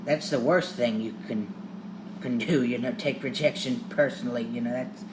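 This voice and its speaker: A man's voice: mid-range voice, steady tone, normal speed, noisy background. Man with a Southern accent. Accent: Southern US, Louisiana. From Louisiana, United States. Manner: friendly, agrees often, laughs easily. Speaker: podcast host. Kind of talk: podcast interview.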